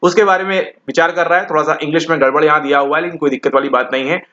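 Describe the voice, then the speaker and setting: Male teacher, explanatory exam-prep lecture, slightly high voice, dull lo-fi audio. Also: fairly even intonation, racing, sharp tone. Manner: explanatory, repeats "ठीक है?" to check understanding. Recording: dull lo-fi sound.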